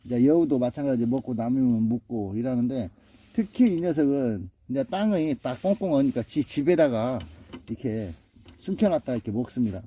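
A man's voice: mid-range voice, lively intonation, moderate pace, mellow, breathy edge. A middle-aged man filming his dogs outdoors in the snow, coaxing and scolding them in a raised sing-song voice and narrating in a casual vlog style. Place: outdoors in a snowy yard.

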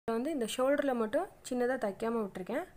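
A woman's voice: on the high side, lively intonation, fast talker, darkish tone. A middle-aged woman, narrating a step-by-step sewing tutorial with plain, patient instructions. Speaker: craft channel host.

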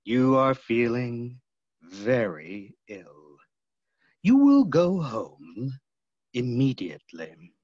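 An actor playing a menacing opera ghost in a staged reading, slow, deliberate, commanding and sly. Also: male voice, medium pitch, big pitch swings, darkish tone, no room sound, full character voice. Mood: hypnotic command. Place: remote video call. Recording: dull, dry video-call audio.

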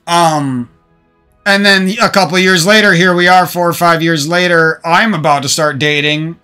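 His voice runs on the high side, steady, pushed, bright and smooth, at normal speed over soft background music. The speaker, a gaming streamer in a room at home, rambles profanely into a desk mic about past relationships, often starting over.

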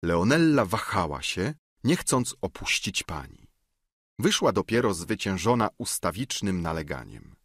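A man narrating an audiobook in scripted narration, with an expressive, dramatic way of reading. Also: low-pitched, measured pace, slightly rough, no echo, clean studio sound.

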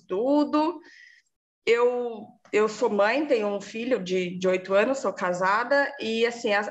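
A woman, giving a lively casual testimonial and acting out her own past words. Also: a little high, muffled recording.

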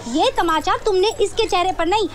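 A fiery outspoken activist wife. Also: female voice, extremely high pitch, fairly quick, faint music behind. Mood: indignant. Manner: indignant and declamatory. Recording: film soundtrack with crowd noise.

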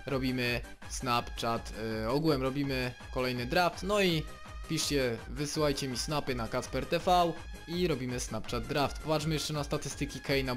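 A man giving play-by-play commentary on his own video game, turning excitable and shouting player names at big moments. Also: fairly high pitch. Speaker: gaming channel host.

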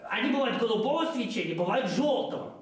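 An actor playing a cheerful know-it-all clown on a children's TV show, explaining eagerly with lots of fillers. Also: male voice, very high-pitched, expressive, quick pace. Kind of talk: playful children's TV banter. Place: indoor TV studio set. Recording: roomy studio set, mic at a distance.

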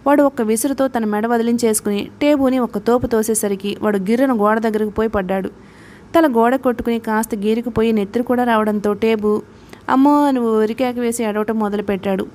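Higher-voiced woman reading a novel. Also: steady tone, brisk, a little mellow. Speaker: audiobook narrator. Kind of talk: scripted narration.

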